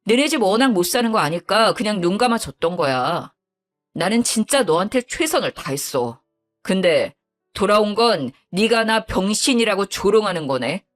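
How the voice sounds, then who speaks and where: A woman's voice: medium pitch, lively intonation, moderate pace, lightly acted. A woman voicing an angry young husband who coldly confronts his deceitful wife in an audio drama, with faint music behind. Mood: bitter. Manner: cold, cutting and contemptuous.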